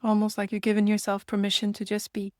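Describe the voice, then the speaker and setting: A woman gently guides a meditation, offering unhurried invitations separated by long pauses. Her medium-pitched voice stays monotone, and the recording is dry and studio quality.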